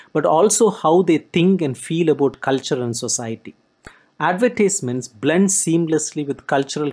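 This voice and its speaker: A mid-pitched narrator reads a lecture-style summary of a theory text aloud. The delivery is steady and plain, broken now and then by restarts and repeated words.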